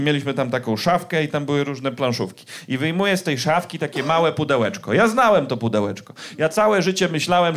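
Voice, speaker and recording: A male stand-up comedian telling a story in a profane, animated way, in a noisy live recording. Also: on the high side.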